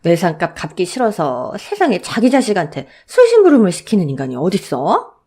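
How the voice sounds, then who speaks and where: A woman voicing a fed-up middle-aged shopkeeper who scolds loudly about unpaid debts in a Korean audio story. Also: mid-range voice, big pitch swings, moderate pace, vocal fry, pitched above the performer's own voice. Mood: scolding. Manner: loud, scolding, exasperated.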